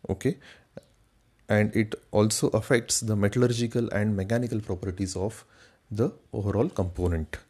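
A man's voice: on the low side, fairly even intonation, moderate pace, darkish tone, husky. A man giving a methodical slide lecture, reading each point and then restating it in his own words. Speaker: engineering lecturer.

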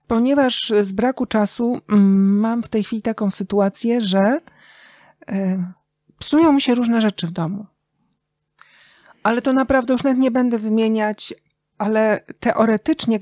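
A middle-aged woman talking casually and reflectively as a podcast guest, telling stories expressively with thoughtful pauses. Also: fairly high pitch, steady tone, dark tone, dry recording, clean studio sound. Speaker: interview guest, radio journalist and writer.

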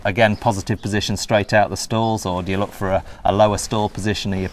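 A man's voice: fairly low pitch, little pitch movement, fast talker, a little hiss or hum. A middle-aged man hosting an interview in an outdoor stable yard, chatty and full of "yeah, yeah". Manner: chatty, frequent "yeah, yeah" and "mm-hmm".

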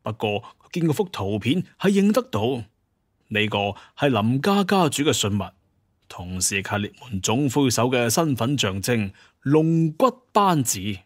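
A man's voice: medium pitch, big pitch swings, measured pace, dry recording, clean studio sound. A man narrates an audio drama as a storyteller. His voice sits in the middle range, and he with a dramatic delivery.

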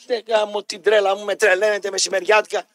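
A man hosting a sports radio show, ranting loudly, mocking and swearing, repeating his jabs. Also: sits high, little pitch movement. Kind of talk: heated talk-radio rant.

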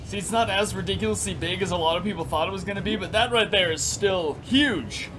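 Excited young man with a raspy morning voice. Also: sits high, a little fast, over music, low-quality recording. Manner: energetic, crude, rambling with lots of "like". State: raspy from just waking up. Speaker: gaming YouTuber. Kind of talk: excited gameplay commentary. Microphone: headset.

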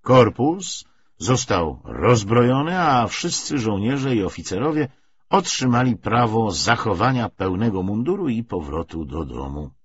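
A man narrating a literary audiobook in a measured, dramatized reading style. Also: fairly low pitch, very animated, breathy edge, no echo. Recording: slightly dull, muffled recording.

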